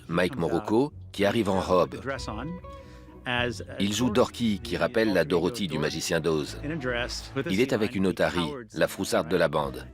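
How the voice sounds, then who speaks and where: Deep-voiced man telling an amused story. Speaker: former marine park trainer. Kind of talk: dubbed documentary interview.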